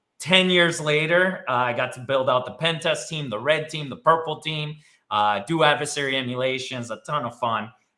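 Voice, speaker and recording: A man's fairly high-pitched, ordinary speaking voice at a moderate pace, with ordinary pitch variation and big swings in loudness. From South Florida. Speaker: cybersecurity executive and instructor. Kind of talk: live stream interview.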